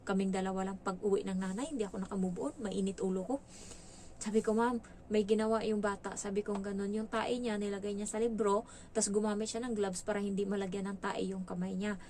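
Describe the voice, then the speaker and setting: A woman from the Philippines working as a domestic helper, telling her story in a casual, lively way, acting out quoted dialogue and mixing in English words. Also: mid-range voice, fast, slight background noise.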